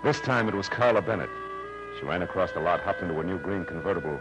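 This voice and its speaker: An actor playing a hard-boiled, wisecracking private detective with an American accent, sardonic and clipped, in 1940s radio style. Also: male voice, low-pitched, lively intonation, quick pace, rough recording. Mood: grim, wry narration. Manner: sardonic, clipped tough-guy talk. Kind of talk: 1940s radio acting, first-person narration. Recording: old radio recording, organ music underneath.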